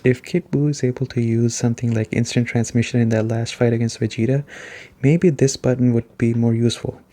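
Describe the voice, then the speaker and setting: A soft-spoken man giving a relaxed, rambling ASMR game review, conversational and repeating points for emphasis. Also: mid-range voice, a little fast.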